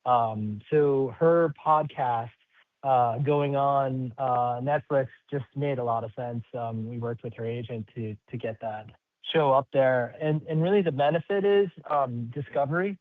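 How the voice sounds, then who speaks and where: A man speaking as a company executive answering questions on an earnings call, halting, rambling and upbeat. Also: medium pitch, no echo. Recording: slightly muffled, dry call audio.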